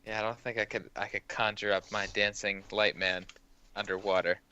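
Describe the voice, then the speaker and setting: A man's voice: lowish voice, little pitch movement, moderate pace, sharp tone, lo-fi sound, slight background noise. A man playing a tabletop game casually, self-deprecating and stammering on the first words of his sentences. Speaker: player.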